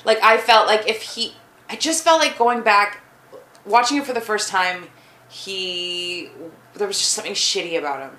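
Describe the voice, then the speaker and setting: A woman's voice: mid-range voice, normal speed, pushed and bright. A woman chatting casually as a podcast guest, recorded with roomy echo and faint noise. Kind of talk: casual chat.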